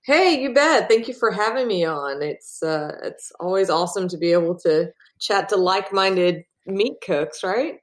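A woman's voice: medium pitch, expressive, moderate pace, few pauses. A woman with an Australian accent blended with Texan, talking as a podcast guest in an enthusiastic, chatty way with frequent fillers. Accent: Australian mixed with Texan. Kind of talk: casual interview chat.

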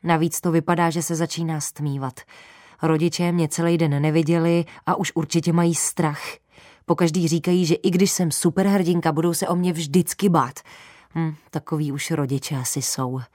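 A woman's voice: deep voice, dry recording, studio quality. Woman telling a kids' story. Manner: lively, expressive storytelling. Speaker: narrator. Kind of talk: first-person children's story narration.

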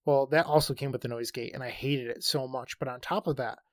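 A man's voice: mid-range voice, steady tone, brisk, no echo. Guy on a podcast jumping in to explain stuff, mid voice, dry sound, casual chat. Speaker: podcast co-host.

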